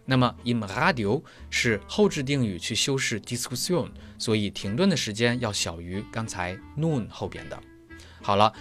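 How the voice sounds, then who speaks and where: A male German teacher explaining pronunciation step by step, leaning on everyday analogies. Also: medium pitch. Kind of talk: explanatory lesson.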